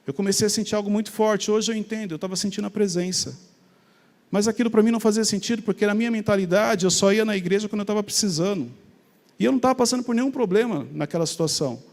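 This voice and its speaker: A middle-aged Brazilian man telling his personal faith testimony in an animated storytelling way, acting out remembered conversations. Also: high-pitched, fast, creaky, long reverb tail. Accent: Brazilian Portuguese. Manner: animated, acts out remembered dialogue. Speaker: speaker sharing a faith testimony.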